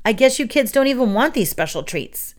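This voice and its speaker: A woman's voice: a little high, big pitch swings, brisk, voice pushed up. A woman voicing a blunt, casual adult woman playing a Halloween witch in a storybook, dry and teasing. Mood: challenging.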